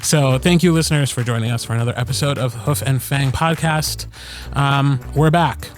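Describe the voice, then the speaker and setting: A man's voice: medium pitch, moderate pace, soft background music. A man hosting a podcast, chatting casually with a playful, joking manner. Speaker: podcast host.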